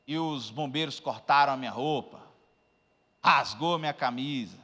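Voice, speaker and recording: A man in his thirties, a pastor telling a personal testimony in a sermon, swinging from hushed reflection to loud outbursts. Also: medium pitch, moderate pace, slightly rough. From Brazil. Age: 30s. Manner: emotional storytelling, swings from hushed to shouting. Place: church hall. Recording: long church hall reverb.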